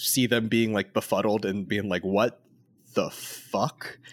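A man speaks in a plain, everyday voice at a medium pitch. His pitch varies in an ordinary way. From Las Vegas, Nevada, US. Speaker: movie podcast co-host. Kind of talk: casual chat.

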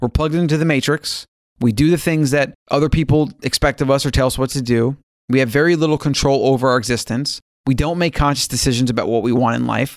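Through a dry, close sound with no echo, a man rattles along at a very fast pace with a medium pitch and very even loudness. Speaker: podcast host and founder. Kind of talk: solo podcast monologue. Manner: fast talker; casual, enthusiastic.

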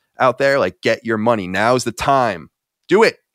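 An American-accented man of medium pitch speaks at a fairly quick pace in an ordinary speaking voice, the sound dry and close with no echo. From Long Island, New York. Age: 30s. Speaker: podcast host and media owner. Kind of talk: interview. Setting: remote recording.

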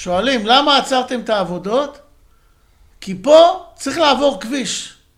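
A man's pitch swings very widely, with noticeable background noise present throughout. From Israel, Jerusalem. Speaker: podcast co-host. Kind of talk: casual interview.

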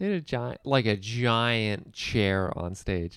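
On a very clean recording with a silent background, a man talks in a fairly low pitch. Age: 30s. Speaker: podcast host and comedian. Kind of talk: casual chat. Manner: halting.

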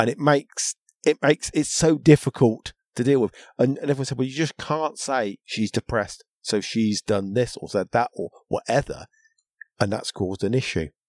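With a southern English accent, a man speaks at medium pitch and a moderate pace with ordinary pitch variation, recorded dry and close with no echo against a silent background in a very clean recording. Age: 50s. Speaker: podcaster. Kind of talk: casual chat.

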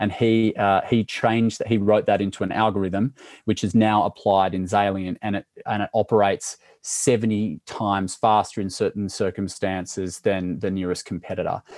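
A man with an Australian accent speaks at a moderate pace and fairly low pitch, his intonation monotone and flat. The very clean recording has a silent background and a dry, close sound with no echo. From Sydney, Australia. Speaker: venture capital investor. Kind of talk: interview. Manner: halting, many repeated words.

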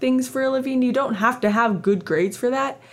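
A woman with a Canadian accent at a fairly quick pace. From Canada, Alberta. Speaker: podcast host and creator. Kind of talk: casual solo podcast monologue. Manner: casual, rambling, chatty.

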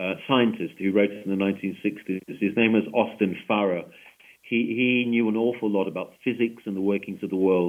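A man with an English accent speaks at a moderate pace. His pitch is fairly low and his intonation fairly even. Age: 60s. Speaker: journalist and author. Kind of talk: interview. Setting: remote call.

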